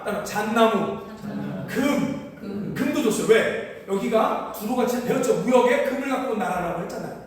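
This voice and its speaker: High-voiced pastor preaching in echoey hall. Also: male voice. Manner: animated, asks the congregation questions. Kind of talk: sermon with storytelling. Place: church sanctuary. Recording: distant mic in echoey hall.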